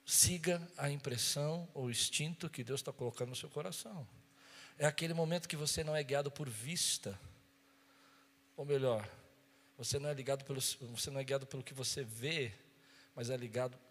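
A man preaching as pastor, moving from quiet storytelling to loud, impassioned calls. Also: mid-range voice, moderate pace, slightly rough, big-room sound. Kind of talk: sermon. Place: church.

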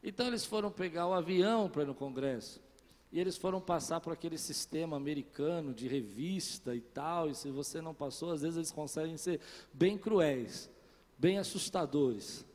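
A man's voice: a little high, moderate pace, darkish tone. A man preaching a sermon as a pastor, telling a story and speaking straight to his listeners, rising to emphatic peaks. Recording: long reverb of a large hall.

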